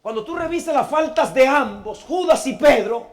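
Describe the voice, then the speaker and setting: A pastor preaching a sermon in a church, swinging from loud emphatic lines to hushed low ones and asking the congregation rhetorical questions. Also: male voice, lively intonation, normal speed.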